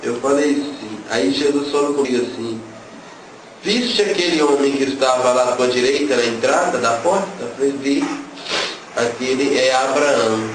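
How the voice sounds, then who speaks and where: A man's voice: medium pitch, normal speed. A man gives an emotional religious testimony, telling his story and acting out the dialogue. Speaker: testimony speaker. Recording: echoey, distant, noisy room.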